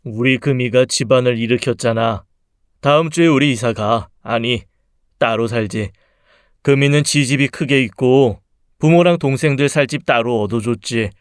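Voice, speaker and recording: Guy doing a bragging older dad, slow and gruff, smooth dry voice. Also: medium pitch, dry recording, natural voice. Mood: boastful. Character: boastful older father, gruff with kids. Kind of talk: scripted story reading.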